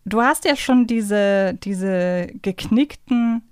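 A woman's voice: mid-range voice, slow, darkish tone, clear, resonant tone, dry recording, clean studio sound. A woman talking casually and analytically as a podcast co-host, explaining in loose, chained sentences. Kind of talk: casual conversational fan podcast talk.

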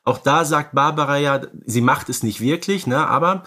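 A man's voice: on the high side, normal speed, bright, forceful tone. A man co-hosting a podcast, casually analysing films and recapping their stories. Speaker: podcast co-host.

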